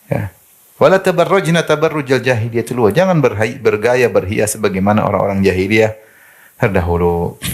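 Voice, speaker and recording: Animated man preaching. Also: on the low side, fairly quick. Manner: animated storytelling, mimics quoted speakers. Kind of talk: Islamic sermon to women.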